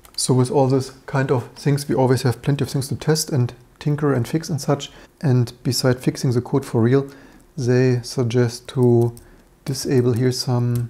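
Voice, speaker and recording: This man's voice is somewhat breathy, with a dark, mellow tone. He talks at a moderate pace with fairly even intonation. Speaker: tech vlogger. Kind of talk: tutorial commentary. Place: office. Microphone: phone near.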